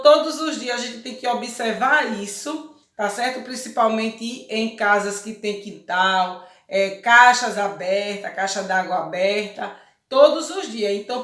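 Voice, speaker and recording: A Brazilian woman teaching a recorded lesson to young children. She explains step by step and keeps checking that they follow. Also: fairly high pitch. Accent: Brazilian Portuguese. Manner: patient, explains step by step with many check questions. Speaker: primary school teacher. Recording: echoey room.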